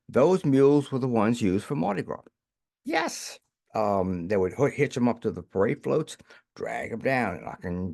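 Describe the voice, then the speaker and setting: A man speaks at a medium pitch with a New Orleans accent. His intonation is lively and his pace moderate. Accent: New Orleans Southern US. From US South, New Orleans. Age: 80s+. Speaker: memoir storyteller. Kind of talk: personal reminiscence monologue. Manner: halting, repeats words.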